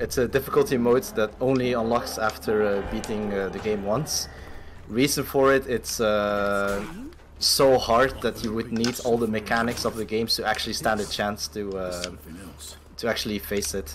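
Noticeable background noise behind a man at a middling pace. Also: ordinary pitch variation. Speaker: game designer. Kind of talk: live gameplay demo stream. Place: home room.

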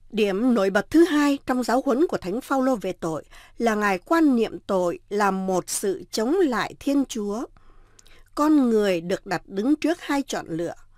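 A woman's fairly high voice with very wide pitch swings at a fairly slow pace, dry with no echo, against a quiet background. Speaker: radio presenter. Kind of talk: scripted narration. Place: studio. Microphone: studio mic.

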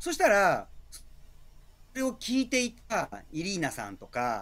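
On a very clean recording with a silent background, a man talks. His pitch swings very widely. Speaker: Japanese language teacher. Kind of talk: demo language lesson.

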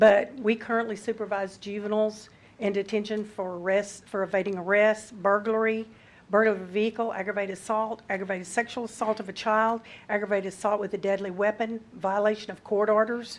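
A woman at medium pitch, fairly quick, with monotone, flat intonation. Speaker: juvenile probation department head. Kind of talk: public comment at county budget hearing. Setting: county commissioners court meeting. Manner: fast.

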